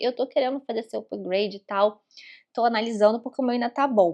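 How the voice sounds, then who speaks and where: A woman talks at a fairly quick pace with ordinary pitch variation over a quiet background. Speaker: book YouTuber. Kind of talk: casual vlog with shopping tips. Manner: fast; chatty, with filler words.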